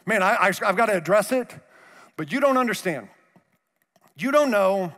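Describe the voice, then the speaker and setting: A man in his thirties, a pastor, preaches at normal speed from a large church auditorium stage, speaking into a headset mic. Animated, he paces and gestures widely, and he shifts into a soft, low voice for emphasis. The hall is echoey, and faint music can be heard.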